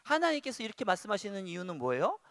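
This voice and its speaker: Korean pastor preaching, dramatic swings. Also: male voice, high voice, huge pitch swings, racing, no room sound. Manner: swings from quiet reading to loud acted outbursts. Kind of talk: sermon.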